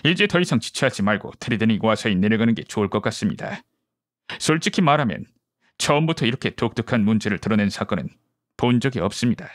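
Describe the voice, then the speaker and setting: A man's voice: fairly low pitch, animated, fast talker, lightly acted. A man voicing a composed, courteous male detective in an audiobook, speaking formally and probingly. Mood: calm, probing. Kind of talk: audiobook character dialogue.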